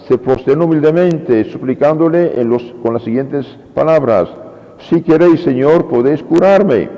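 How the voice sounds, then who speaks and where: A man preaching a sermon as a priest, with lively delivery that acts out quoted pleas. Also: medium pitch. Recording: lo-fi recording with long church reverb.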